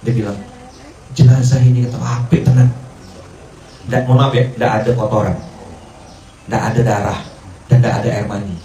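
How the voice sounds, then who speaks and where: A man's voice: medium pitch, level tone, normal speed, pauses often, dark tone, a little hiss or hum. A man preacher giving a conversational morning sermon, telling a story, acting out the quoted dialogue and mixing in Arabic and English phrases. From Indonesia. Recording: roomy, distant mic with faint ambience.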